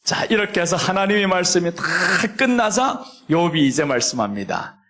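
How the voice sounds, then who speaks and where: A middle-aged man preaching a sermon as pastor, expressive, acting out quoted voices and slowing down to read scripture. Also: high-pitched.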